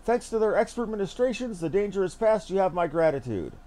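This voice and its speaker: A man's voice: high voice, sing-song, brisk, warm tone, pitched above the performer's own voice. A man voicing a formal, courteous young noble commander from a fantasy game, with eloquent old-fashioned diction. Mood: relieved, grateful. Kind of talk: reading fantasy game dialogue aloud in character.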